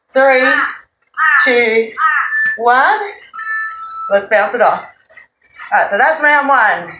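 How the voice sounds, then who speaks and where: A woman speaks very slowly in a high voice, with music in the background. Audible room echo surrounds her. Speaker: fitness instructor. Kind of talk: workout instruction. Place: garden. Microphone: camera far.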